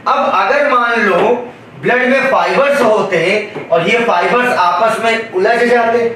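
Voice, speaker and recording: High-voiced man teaching in an echoey classroom. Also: slow, sharp tone, far from the mic, slight background noise. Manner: calls students beta, asks questions for the class to answer. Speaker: biology teacher. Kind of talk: classroom lecture.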